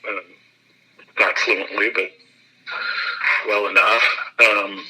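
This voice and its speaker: Bright-voiced actor chatting, laughing easily. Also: male voice, lowish voice, flat delivery, slow, husky, low-quality recording. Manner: chatty, self-deprecating, laughs often. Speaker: actor, interview guest. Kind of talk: relaxed interview chat.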